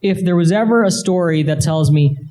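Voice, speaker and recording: Mellow-voiced man on a live panel. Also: high voice, brisk. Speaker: guest panelist, filmmaker. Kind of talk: casual panel discussion. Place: live comic convention panel before an audience. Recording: live event, background noise.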